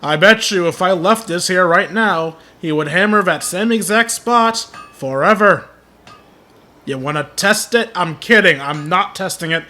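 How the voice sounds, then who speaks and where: A man's voice: sits high, unhurried, sharp tone. A man giving casual, joking live-stream commentary on a game, chatting to his viewers.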